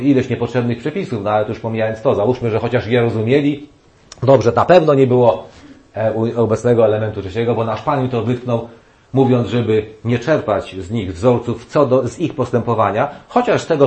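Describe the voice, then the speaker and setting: A man's voice: medium pitch, darkish tone. A man giving a conversational Bible study sermon to a congregation, often restarting phrases and adding tag questions. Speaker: preacher.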